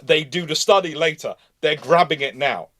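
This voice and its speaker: Higher-pitched man, emphatic explainer. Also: moderate pace, bright, forceful tone. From Britain. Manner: emphatic, repetitive, digressive explaining. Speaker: naval history show host. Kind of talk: live question and answer discussion.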